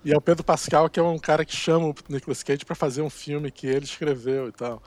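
Man in casual chat, halting explanations. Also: on the high side, a little mellow, no room sound. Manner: halting, searches for words while explaining. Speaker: podcast co-host.

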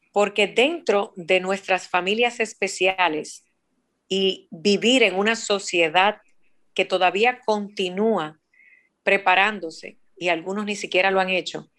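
A Dominican woman hosts a radio interview in an emphatic, earnest way. She repeats key words for her listeners and has a mid-pitched voice. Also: fairly bright tone. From Dominican Republic. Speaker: radio host and family therapist. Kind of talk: radio talk show interview.

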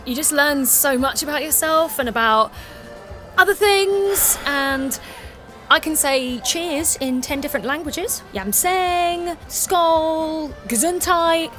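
A woman's voice: sits high, lively intonation, slow, sharp tone, soft background music, exaggerated voice. An actress playing a chatty, breezy young woman working undercover. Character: bold young English woman spy, breezy.

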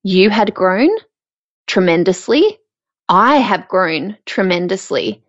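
Husky-throated woman, slightly muffled. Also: mid-range voice, lively intonation, slow, no echo. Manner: reflective, thinking aloud with fillers. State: frog in her throat. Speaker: podcast co-host. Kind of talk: casual podcast chat.

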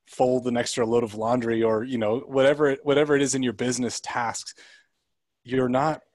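A man working as a high-performance coach, chatting casually and telling stories in an upbeat, energetic way. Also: no echo, clean studio sound. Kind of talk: casual podcast chat.

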